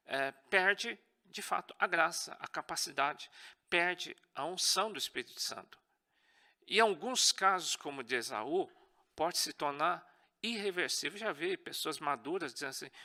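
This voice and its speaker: Brief: Brazilian man, church course teacher, earnest, fairly high and very bright voice. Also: gravelly. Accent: Brazilian Portuguese. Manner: earnest, checks in with the class often.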